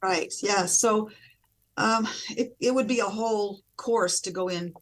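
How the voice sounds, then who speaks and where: A woman religious sister, a guest on a video call, explaining her community in a measured way. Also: medium pitch, low-quality recording. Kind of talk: explanatory interview answers.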